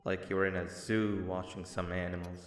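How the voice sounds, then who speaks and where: A man's voice: low-pitched, flat delivery, moderate pace, close to an everyday voice. A man voicing a manipulative monster mascot who poses as a school principal in a video game, coaxing and mock-polite. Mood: falsely apologetic. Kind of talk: video game character dialogue. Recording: long echoing hall reverb.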